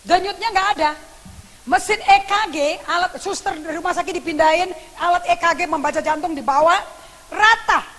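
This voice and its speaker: A woman pastor, preaching a sermon and telling a story in an animated way, acting out what people said. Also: extremely high pitch, fairly quick. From Indonesia. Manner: animated storytelling with acted quotes. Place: church. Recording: long reverb church hall with faint hiss.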